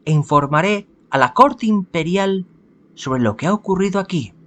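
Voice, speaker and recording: This is a composed female leader who gives orders in a measured, commanding tone, as a male player puts on her voice while reading a visual novel. Her voice sits well above a man's usual register, lifted high and held there. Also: expressive, fairly bright tone.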